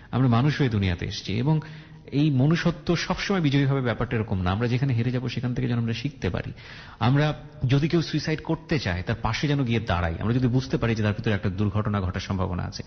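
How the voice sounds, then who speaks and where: Male radio host, earnest and reflective, low gravelly voice, lo-fi broadcast sound. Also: long reverb tail. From Bangladesh. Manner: earnest, reflective, mixes English words into speech. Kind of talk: radio talk show commentary. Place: radio studio.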